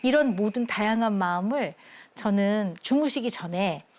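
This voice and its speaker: A woman speaking as a child psychiatrist guest on a TV talk show, telling an emotional story in an earnest, warm way and acting out the people she quotes. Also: mid-range voice, expressive, normal speed, noisy background. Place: TV studio.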